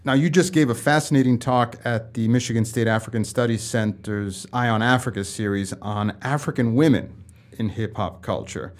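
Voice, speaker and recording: Measured male podcast host. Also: mid-range voice. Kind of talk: scripted introduction and interview questions.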